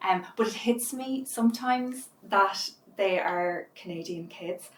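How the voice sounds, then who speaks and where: Over noticeable background noise, a woman with an Irish accent speaks at a fairly slow pace in a medium pitch with ordinary pitch variation. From Ireland, County Longford. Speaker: lawyer and emigrant guest. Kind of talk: casual chat.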